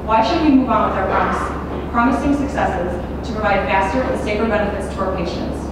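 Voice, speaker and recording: Young woman student arguing her side, pushy and quick, echoey far-off hall sound. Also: medium pitch. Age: young adult. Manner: quick, assertive, argumentative. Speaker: student debater. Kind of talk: formal debate, cross-examination. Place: large echoey university hall. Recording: echoey hall, distant mic, background noise.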